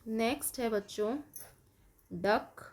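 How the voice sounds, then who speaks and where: Woman, Indian English accent, online teacher for small children; unhurried, fairly high voice, dictates word by word. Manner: slow, patient, dictating word by word and explaining each word. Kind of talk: online school lesson for young children.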